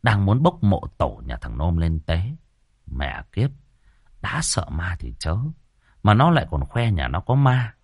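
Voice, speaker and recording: A man tells a story in a colloquial, lively manner. His voice sits lowish and moves a lot. The recording is dry and close. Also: measured pace, no room sound. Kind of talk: storytelling narration.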